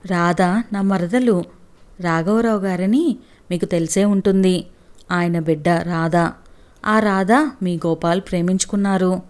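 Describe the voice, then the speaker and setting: A woman voicing a righteous young man who argues earnestly and forcefully on behalf of a wronged woman in a storybook reading. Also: fairly low pitch, fairly even intonation, measured pace, clean tone, lightly acted. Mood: pleading.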